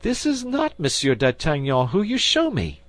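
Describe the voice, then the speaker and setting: A man's voice: huge pitch swings, moderate pace, fairly bright tone, dry recording. A man voicing a frantic, fawning landlord, Bonacieux. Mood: indignant. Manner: pleading, panicky, high and whining. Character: frantic, fawning middle-aged male landlord. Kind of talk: audiobook character voice.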